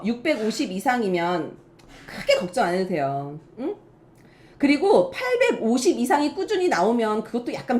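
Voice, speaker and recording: A middle-aged woman teaching a parenting class. Her voice sits a little high and moves widely up and down as she talks. She is animated and playful, acting out mothers and dads as she explains. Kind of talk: lively parenting lecture.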